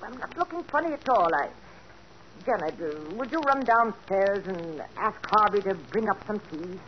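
An actress playing a flustered older aunt who hides a clue, in a 1940s radio drama with a dull, hissy sound. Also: female voice, medium pitch, lively intonation, normal speed, lightly acted. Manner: flustered, evasive.

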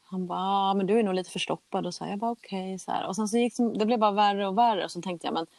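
A woman's voice: mid-range voice, creaky, a little mellow, no echo. A young adult woman tells a personal story in a candid, chatty way and acts out the conversations she recounts. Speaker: guest telling her story.

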